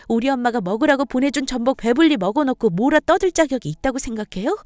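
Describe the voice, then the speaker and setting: A woman's voice: on the high side, darkish tone, no echo, clean studio sound. A woman in her thirties narrating a dramatic first-person story, speaking heatedly and emotionally. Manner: heated, emotional confrontational telling.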